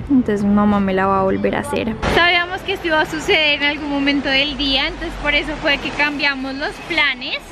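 A woman's voice: high voice, background noise. A woman with a Colombian accent, chatting upbeat to camera in a travel vlog and laughing often. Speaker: vlogger.

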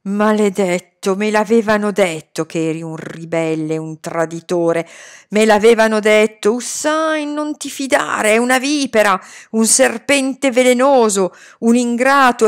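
A woman's voice: medium pitch, close to an everyday voice. A woman reading a storybook voices a burly man, a workshop overseer, ranting and threatening with a hissing edge.

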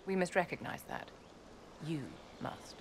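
Casting: commanding aristocratic lady in a fantasy game, poised, lowish register, formal and haughty. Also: slow pace, vocal fry, background noise. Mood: stern, appraising. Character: poised, commanding, imperious noblewoman court enchanter and advisor. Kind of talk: fantasy video game acting.

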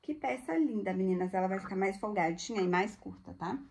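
A woman's voice: mid-range voice, lively intonation, brisk, a little mellow. A woman, showing thrift-store clothes to viewers in a chatty, gushing way. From Brazil. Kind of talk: casual live product showcase.

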